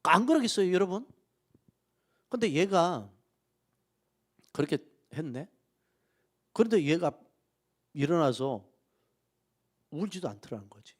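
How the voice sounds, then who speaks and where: Male pastor, middle-aged, lively higher voice, sermon with hushed asides and loud emphatic peaks. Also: measured pace, pauses often. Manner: emotional storytelling, swinging from soft asides to loud emphatic peaks. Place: church sanctuary.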